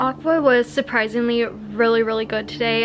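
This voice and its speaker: Music sits in the background. Over it, a woman speaks at a fairly quick pace. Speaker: horse rider vlogger. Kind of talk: casual vlog chat. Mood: cheerful, pleased. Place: farm machine. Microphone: phone near.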